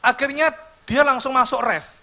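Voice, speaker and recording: A middle-aged man, preaching a lively sermon and joking with the congregation. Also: very high-pitched, moderate pace. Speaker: pastor. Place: church hall. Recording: church livestream with music behind.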